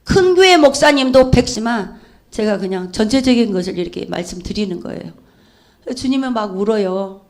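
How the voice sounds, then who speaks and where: A middle-aged woman preacher giving an emotional church testimony, swinging from loud urging to hushed storytelling. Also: medium pitch, animated, moderate pace.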